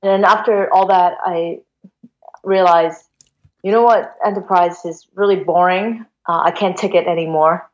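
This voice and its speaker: A woman from Hong Kong in her forties, talking as a guest in a relaxed, meandering way and restarting her sentences often. Her voice sits a little low, and the recording sounds dull and lo-fi. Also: measured pace. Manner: chatty, many fillers and restarts. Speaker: guest, venture investor. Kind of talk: casual interview storytelling.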